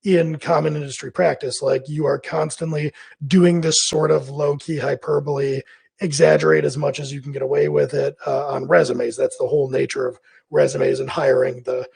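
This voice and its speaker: Scratchy, hoarse man musing aloud. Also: fairly high pitch, level tone, normal speed, darkish tone. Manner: rambling, thinking aloud with frequent self-corrections. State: hoarse, recovering from laryngitis. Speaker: freelance business advice host. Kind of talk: casual advice monologue.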